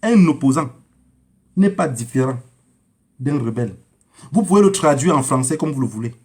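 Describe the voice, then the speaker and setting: A man's voice: medium pitch, lively intonation, moderate pace, a little mellow. A man giving an informal political monologue to online viewers, haranguing them emphatically and repeating phrases for effect.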